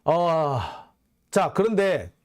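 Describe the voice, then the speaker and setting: A man's voice: lively intonation, very slow, a little mellow. A middle-aged man giving a blunt, scornful political monologue as host, with many fillers and sudden jumps in tone. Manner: blunt, scornful, mimics others in a high voice.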